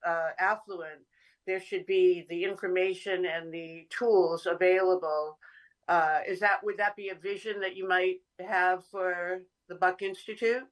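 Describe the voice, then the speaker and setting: A woman's voice: lowish voice, fairly bright tone, poor audio. A woman from New England hosting a podcast interview, thinking aloud and searching for words. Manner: thoughtful, searching for words with many "um"s. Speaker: podcast host. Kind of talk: conversational interview.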